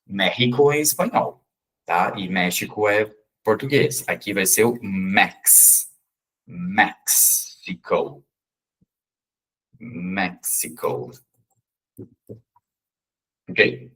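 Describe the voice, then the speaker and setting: Man, from Brazil, English teacher, casual lesson, husky, lowish voice, checks in often, slow drawn-out English words. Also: a bit bright. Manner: chatty, with frequent "tá?" and "né?" check-ins, slowly spelling out English words.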